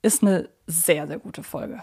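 A woman's voice: low-pitched, slow, mellow, breathy edge. A woman co-hosting a podcast, discussing things casually and conversationally with emphatic wording. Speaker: podcast co-host.

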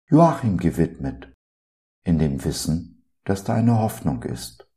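A man delivers a devotional podcast reflection in a very deep, mellow voice. He speaks slowly and earnestly, like a preacher, with a melody that rises and falls widely as he poses one rhetorical question after another. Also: sing-song. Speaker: podcast host.

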